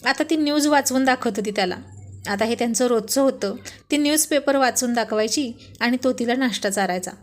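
Female storyteller for a romance serial, a bit high-pitched, chatty narration.

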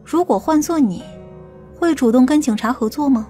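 A woman's voice: high-pitched, normal speed, mellow, faint music behind, lightly acted. A woman playing a stern, impatient police detective in an audiobook drama.

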